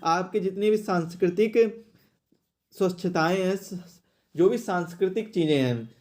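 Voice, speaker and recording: A man's voice: sits high, a little slow, darkish tone. A man teaching an exam question-and-answer lesson, explaining and repeating phrases for emphasis.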